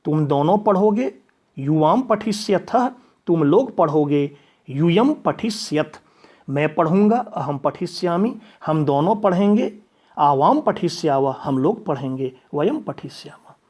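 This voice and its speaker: Husky man explaining Sanskrit grammar. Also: on the high side, animated, unhurried, darkish tone. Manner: patient step-by-step explaining, reciting verb forms. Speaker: Sanskrit teacher. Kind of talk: classroom grammar lesson.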